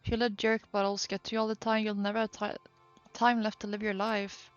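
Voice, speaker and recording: A woman's voice: medium pitch, level tone, a little fast, muffled recording, soft background music, close to an everyday voice. A woman voicing a hot-tempered athletic teenage girl in a game, talking in an upset rush.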